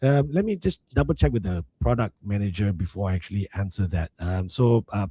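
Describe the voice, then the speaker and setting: A man's voice: lowish voice, expressive, brisk, mellow, husky, no room sound. A man with a mixed international English accent hosting a live trading webinar, talking casually to viewers with many fillers. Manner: conversational, many fillers, addresses viewers as folks. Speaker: livestream host.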